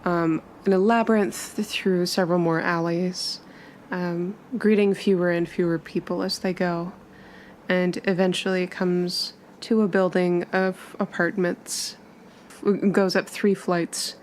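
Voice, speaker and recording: A woman's voice: fairly low pitch, steady tone, a little slow, slight background noise. A woman player narrating her character's actions in a tabletop roleplaying game, improvising as she goes.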